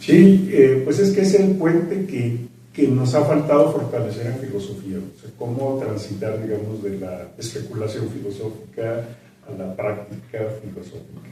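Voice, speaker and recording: A man's fairly slow speech, with very wide pitch swings, big shifts in loudness and audible room echo. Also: medium pitch for a man. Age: 60s. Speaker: philosophy professor. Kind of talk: podcast interview. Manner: halting, many fillers.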